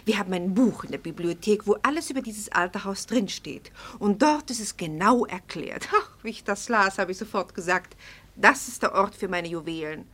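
An actress playing a vain, chatty hostess who gushes in a radio play. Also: female voice, mid-range voice, animated, moderate pace, a bit bright. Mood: gushing. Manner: gushing, chatty. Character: vain gushing hostess, proud of her jewels.

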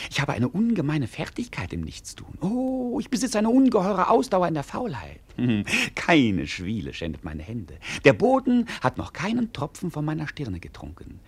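A man playing an idle, roguish wandering fool in a German radio play, declamatory and playful, with a husky voice. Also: on the high side, wildly swooping pitch, normal speed, exaggerated voice. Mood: sly, boastful. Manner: declamatory, playful, sometimes sing-song.

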